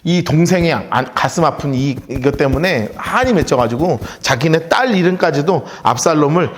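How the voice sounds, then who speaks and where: A man's voice: on the high side, moderate pace. A male pastor leading a Bible study sermon, telling the story vividly and acting out the characters' lines. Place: church.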